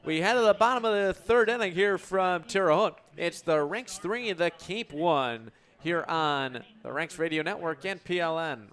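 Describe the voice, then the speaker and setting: A man's voice: a little high, unhurried, few pauses, a bit bright. A young American man in his twenties calling sports play-by-play for radio in articulate, flowing descriptive calls. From United States. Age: 20s.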